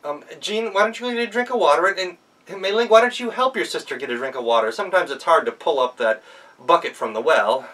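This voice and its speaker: A man's voice: fairly high pitch, brisk, sharp tone, recorded from a distance, voice pushed up, low-quality recording. A man voicing a clever, polite young girl in a storybook tale, hesitant and feigning innocence. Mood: casual, scheming. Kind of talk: storybook character voice.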